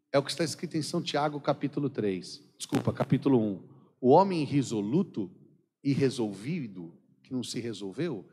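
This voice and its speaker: A missionary from São Paulo state preaches a sermon in a large church hall, speaking with a Brazilian Portuguese accent, telling jokey stories, acting out quoted dialogue, and laughing often. His voice is medium-pitched, a little mellow, with a breathy edge, and the hall gives the recording a long reverb.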